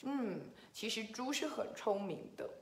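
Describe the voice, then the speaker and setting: A woman telling a children's story in a gentle, playful way, chatting to a child between scenes. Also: on the high side, expressive, a little slow. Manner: gentle, playful, with soft laughs. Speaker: children's story podcast host. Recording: echoey room.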